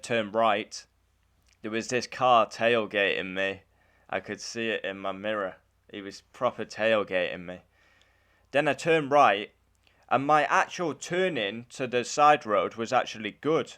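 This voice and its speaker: A man's voice: on the low side, fairly bright tone, clean tone. British man talking casually in a vlog. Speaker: vlogger, learner driver.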